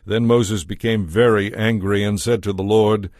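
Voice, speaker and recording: A man narrating scripture from a script as a storyteller, in a measured, solemn way. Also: fairly low pitch, steady tone, darkish tone, no room sound, studio quality.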